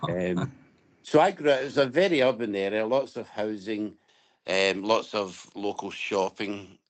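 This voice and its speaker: A man from Scotland speaks with a Glaswegian accent in a fairly low voice. He is an interview guest who talks conversationally and unfolds his answers as stories. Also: unhurried. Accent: Glaswegian Scottish. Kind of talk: conversational storytelling about home and past.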